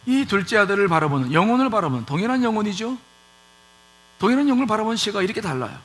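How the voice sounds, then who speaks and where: A man's voice: high-pitched, big pitch swings, racing, fairly bright tone. A male pastor preaching a sermon in a church, asking rhetorical questions and repeating points for emphasis. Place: church sanctuary.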